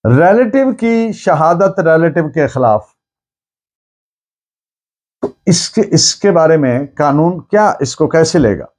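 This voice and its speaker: A man with a Pakistani accent giving an explanatory law lecture, deliberate and restating key points in other words. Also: fairly high pitch, very animated, a little mellow. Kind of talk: explanatory lecture with dictated case citations.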